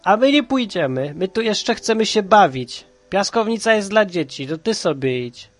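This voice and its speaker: A man voicing a brave little schoolboy who shouts back defiantly. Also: sits high, big pitch swings, normal speed, pitched above the performer's own voice.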